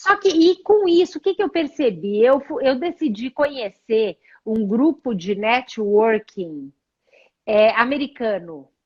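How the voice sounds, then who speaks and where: Speaking very slowly, a woman with a high pitch lets it swing very widely. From Brazil. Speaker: entrepreneur, immigrant interview guest. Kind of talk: casual interview chat on a livestream.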